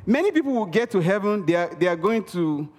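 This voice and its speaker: A man preaching with a slightly high voice, hammering home key words with repetition. He calls on the congregation to answer him. His voice rings with a long reverb from a large church hall. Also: sing-song, a little fast, darkish tone. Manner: emphatic, repeats key words for effect; calls for audience response. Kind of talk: sermon.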